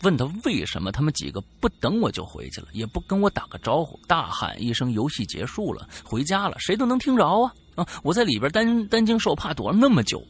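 A man co-hosting a podcast, reading a listener's ghost story aloud in a dramatic way that swings between loud and hushed. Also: on the high side, big pitch swings, fast, hardly any pauses, breathy edge. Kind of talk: spooky storytelling.

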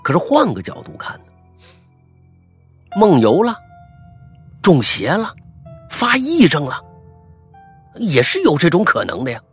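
Brief: husky ghost-story narrator, wildly swinging pitch, stammers for effect, faint music behind. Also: wildly swooping pitch, unhurried, pauses often. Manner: dramatic, stammering repetitions.

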